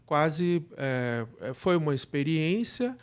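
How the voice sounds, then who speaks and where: A Brazilian man speaks as a guest in a casual interview. His voice sits a little high for a man. He explains things conversationally, often adding short tag questions to check he is followed. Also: very animated, takes it slowly, smooth. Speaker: interview guest, audio drama producer.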